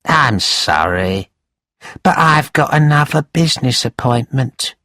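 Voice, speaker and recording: A man reading a story aloud and voicing a scheming, cold-hearted moneylender who taunts in a calm, cutting way. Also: mid-range voice, takes it slowly, no echo, studio quality, voice pushed up. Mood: taunting.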